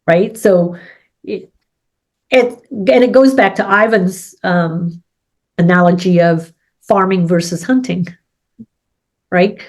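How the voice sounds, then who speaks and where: A woman's voice: lowish voice, slow pace, pauses often, a little mellow. A middle-aged woman with a head cold co-hosting a casual business chat, explaining her points with examples and often asking "right?". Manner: explains with sports and farming examples, asks "right?". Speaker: co-host.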